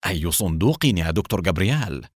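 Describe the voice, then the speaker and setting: A man voicing a young male police captain who asks calm, direct questions. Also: deep voice, quick pace, husky, no echo, clean studio sound, pitched below the performer's own voice, exaggerated voice.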